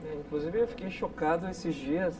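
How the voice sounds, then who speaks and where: A man in his forties from South Korea, a guest telling stories in a relaxed interview with many tag questions. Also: a little high, moderate pace. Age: 40s. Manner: storytelling, frequent tag questions. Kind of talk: casual interview talk. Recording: distant mic with faint noise.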